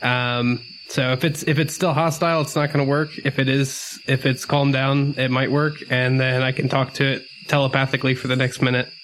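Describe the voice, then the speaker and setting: A man chatting casually and haltingly as a player in a tabletop game, with faint night ambience behind. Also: medium pitch, flat delivery, a bit bright, slight background noise, poor audio. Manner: halting, hesitant. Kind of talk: casual chat.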